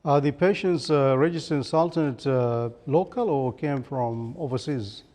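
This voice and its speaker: A man's voice: mid-range voice, normal speed, darkish tone. A man puts formal questions as a news interviewer. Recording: long reverberant hall-like echo.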